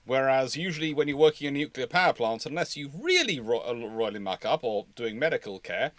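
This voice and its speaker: A man's voice: mid-range voice, sing-song, fairly quick, a bit bright, no echo. A British man hosting a casual live question-and-answer stream, thinking aloud and wandering into digressions. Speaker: host answering viewer questions on a livestream.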